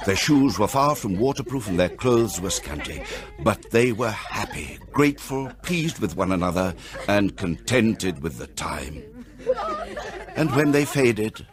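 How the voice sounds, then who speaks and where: A man narrating a Victorian Christmas ghost tale for radio drama in a measured, expressive storytelling manner. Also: on the low side. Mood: tender. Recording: loud sound-effect noise behind the voice.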